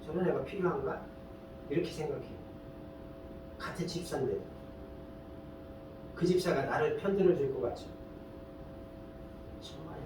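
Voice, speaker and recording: Echoey preaching man, fairly high voice. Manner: fires rhetorical questions and prods listeners with "eh?"; colloquial, storytelling preacher. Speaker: pastor. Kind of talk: sermon. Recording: very echoey hall, distant mic, faint rumble.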